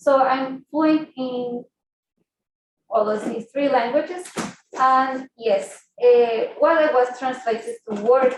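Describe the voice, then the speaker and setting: Speaking at a very slow pace with long, frequent pauses, a woman with a Spanish accent has a high voice and ordinary pitch variation. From Chile, raised in Portugal from childhood. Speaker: comics artist. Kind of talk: panel discussion.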